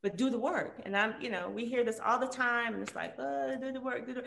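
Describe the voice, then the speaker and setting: Detroit-born woman guest, lively storyteller, roomy echo on the voice. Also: fairly high pitch, fairly quick, vocal fry. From Detroit, USA. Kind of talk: casual conversational interview.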